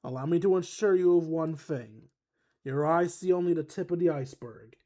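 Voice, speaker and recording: A player voicing a formal, wistful young man giving a measured farewell speech in a game. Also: medium pitch, mellow, natural voice. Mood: solemn. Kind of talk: voice acting a game character.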